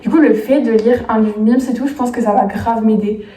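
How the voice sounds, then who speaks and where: A woman chats to her camera as a booktuber, gushing and bubbly, with English slang mixed in. Her voice sits a little high and soft-toned. She is heard from a distance in a roomy, echoing space. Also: fairly even intonation, fairly quick. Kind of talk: casual chat to camera.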